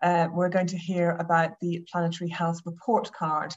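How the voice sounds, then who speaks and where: A woman speaks at a moderate pace in a fairly low, somewhat breathy voice. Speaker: conference session chair. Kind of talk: event moderation. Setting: video call. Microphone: webcam.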